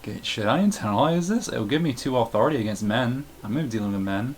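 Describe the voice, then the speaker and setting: A man streaming a game, chatting casually, joking and asking quick, curious questions. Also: mid-range voice, animated, slight background noise. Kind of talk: casual live gameplay chat.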